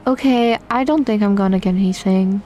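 A woman playing a gentle, weary, expressive teenage girl in a game roleplay drama. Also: mid-range voice, fairly quick, faint music behind, close to an everyday voice. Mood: deflated. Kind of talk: acted Roblox roleplay drama.

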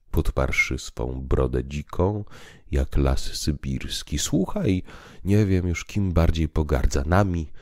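A man voicing a calm, grave priest telling visionary tales in a solemn, deliberate, oratorical way for a dramatized audiobook. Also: a bass voice, no echo, studio quality, full character voice. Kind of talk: dramatized literary audiobook reading.

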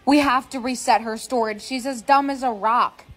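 A woman's voice: on the high side, steady tone, normal speed, fairly bright tone. A woman playing an exasperated, sarcastic character in a comedic skit, firing off insults. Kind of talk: comedic TikTok skit storytime. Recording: faint music behind.

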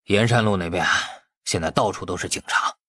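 A man's voice: low voice, brisk, a bit bright, slightly rough, no room sound, studio quality. A man voicing a young fugitive, loyal and vengeful, in audiobook dialogue. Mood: guarded, uneasy.

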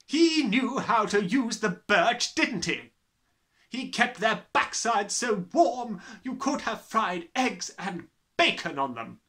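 Guy doing a nasty bossy headmistress for a kids book, high and piercing, swoops around, snaps and drags out words. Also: sing-song, full character voice. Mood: scornful lecturing. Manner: shouting, snapping, drawn-out emphatic words. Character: domineering, bullying middle-aged headmistress, harsh and sneering. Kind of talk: dramatised children's storybook reading.

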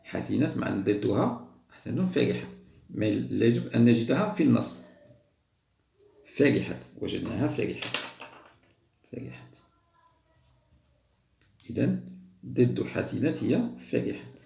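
A man teaching a primary school Arabic lesson, patiently repeating words slowly for young pupils. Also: medium pitch, big pitch swings, creaky, dark tone, echoey room. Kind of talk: explaining a second-grade Arabic test.

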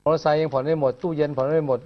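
A man's voice: on the high side, flat delivery, racing, muffled recording. A man co-hosting a news talk show, chatting colloquially and prodding with questions. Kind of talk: conversational news commentary.

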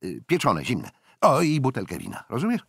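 Guy doing a jolly loud sea captain, gravelly low voice, super dry sound. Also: wildly swooping pitch, normal speed, no room sound, exaggerated voice. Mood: boisterous. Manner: loud, jovial, breaks into laughter. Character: hearty young male naval captain, boisterous.

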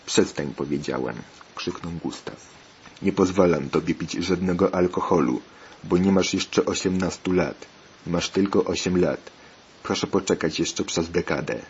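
A stern father lectures insistently, read by a man in his own deep voice. The tone is low and scolding. The recording is dull and lo-fi, with a faint hiss behind it. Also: unhurried, darkish tone.

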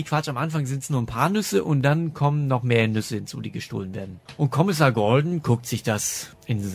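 A podcast host reviewing audio dramas chats in a casual, enthusiastic way, laughing often as he talks. His medium-pitched voice is creaky with a breathy edge.

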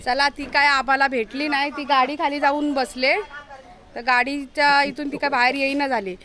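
High-voiced woman coaxing street animals. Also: flat delivery, normal speed, bright, forceful tone. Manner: chatty, coaxing and calling to animals. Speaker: vlogger feeding street animals. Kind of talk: casual outdoor vlog chat.

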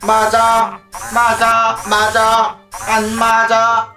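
This is a monotone female robot teacher from the future, played by a woman in a comedy sketch. She talks in flat, clipped, machine-like phrases with almost no rise or fall and sits a little high. The sound is roomy, with music playing in the background. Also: drawn-out words, heavily acted. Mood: robotic flat. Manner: flat, clipped robotic delivery, announcing each function. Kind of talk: scripted comedy sketch acting.

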